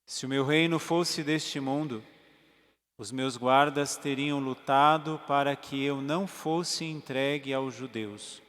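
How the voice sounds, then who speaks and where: Calm, solemn Jesus read by a Brazilian man, slow delivery, church reverb. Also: medium pitch. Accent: Brazilian Portuguese. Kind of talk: liturgical Passion reading.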